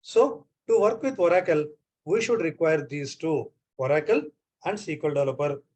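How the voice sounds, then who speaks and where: Man, Indian accent, online lecture, repeats himself, checks understanding, higher pitch. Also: expressive, normal speed, darkish tone. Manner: repeats phrases often, checks on students. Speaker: trainer.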